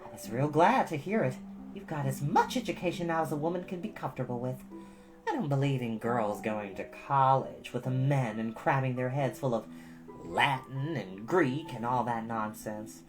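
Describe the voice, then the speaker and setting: A woman's voice: rumbling low, moderate pace, music in the background. A woman voicing a stout, bossy older village gossip from a storybook, opinionated, emphatic and folksy. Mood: weary, opinionated. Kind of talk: storybook character voice.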